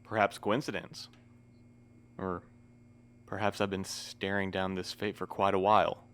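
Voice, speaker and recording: A low male voice from an actor plays a weary postmaster in an audio drama. He phrases everything formally and at length, with a dry, sardonic edge. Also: little pitch movement, measured pace, fairly bright tone, a little hiss or hum. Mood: grave.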